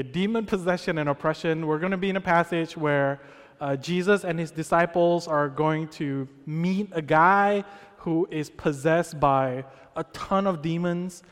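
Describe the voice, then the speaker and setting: Young male pastor from Malaysia, chatty sermon delivery, slightly high voice, long church reverb. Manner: conversational, with many fillers and check-ins. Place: church sanctuary.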